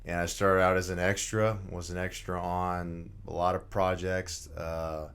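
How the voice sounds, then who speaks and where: A man's voice: deep voice, flat delivery, unhurried, fairly bright tone, smooth. A young man from Georgia in the US, an actor and filmmaker guest, talking through his story in a loose, rambling way with plenty of fillers. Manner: rambling, lots of fillers, laughs easily. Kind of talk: casual interview chat.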